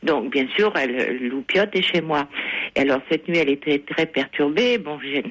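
A woman's voice: sits low, expressive, normal speed, a bit bright, a little hiss or hum, low-quality recording. A woman calling a radio show, explaining her problem in chatty detail over the phone. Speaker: caller. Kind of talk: phone-in question.

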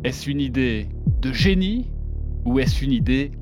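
A man hosting a golf talk podcast, presenting the show and its guests in lively scripted fashion. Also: mid-range voice, unhurried, over music. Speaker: podcast host.

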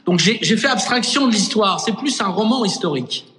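A high-voiced man talks eagerly over a remote link, restarting his sentences as he goes. His voice rings with the long echo of a large room heard through the call. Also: animated, a little fast, fairly bright tone. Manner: enthusiastic, stumbling restarts. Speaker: guest on video link. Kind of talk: remote interview.

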